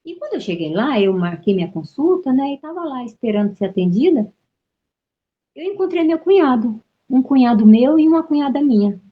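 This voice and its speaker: A woman's voice: a little high, muffled recording. A middle-aged woman from Brazil, an interview guest telling her experiences with vivid storytelling, repeating words and acting out quoted voices.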